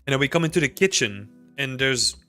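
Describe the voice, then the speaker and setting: Expressive and a little fast, the host's mid-range voice has a sharp tone, with faint music behind it. A Belgian man in his thirties, he chats casually with his livestream audience, answering chat in a rambling way with many fillers. He streams from a small home room using a desk mic and headphones.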